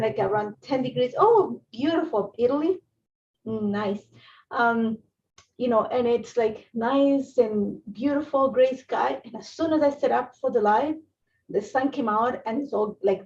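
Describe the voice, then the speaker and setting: Chatting and rambling on a casual craft livestream, a middle-aged woman from Ecuador greets viewers by name from her home craft room. Her voice is a little high and slightly mellow. The dull, lo-fi audio from her phone and laptop setup carries a bit of hiss or hum.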